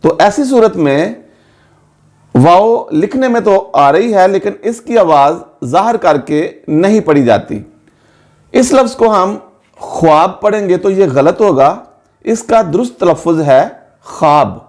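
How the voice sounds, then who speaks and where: A male language teacher walks students through a pronunciation rule. He speaks in a slightly raised register and pauses on each example word so the class can hear it properly. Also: sits high, lively intonation, a little mellow. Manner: slow, careful, repeats words for pronunciation. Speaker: Urdu grammar teacher. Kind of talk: explanatory lesson to students.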